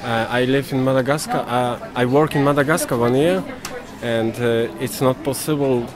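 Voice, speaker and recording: A man speaking slow, halting, non-native English as an interview guest. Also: mid-range voice. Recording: outdoor recording with loud crowd.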